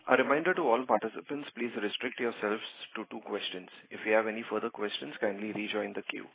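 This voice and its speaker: A man moderates a conference call with formal scripted announcements. His voice is low and gravelly. It sounds dry and narrow, like a telephone line. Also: fast talker, dry recording.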